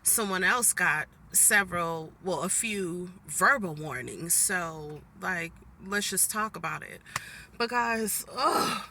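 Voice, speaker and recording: Brief: forties woman vlogging from her car, ringing bright tone, chatty and fed-up. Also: fairly low pitch, lively intonation, slow pace, a little hiss or hum. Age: 40s. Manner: chatty venting, keeps addressing viewers as "guys". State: annoyed. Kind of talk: casual vlog chat. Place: inside a parked car.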